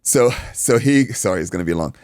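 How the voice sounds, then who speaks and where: A man from Iraq, a native Arabic speaker, telling an animated anecdote in casual podcast chat, acting out dialogue and swearing freely. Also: lowish voice, fairly quick, dry recording, clean studio sound. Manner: acts out dialogue, swears, says "dude". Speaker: podcast guest, martial arts coach and stunt performer.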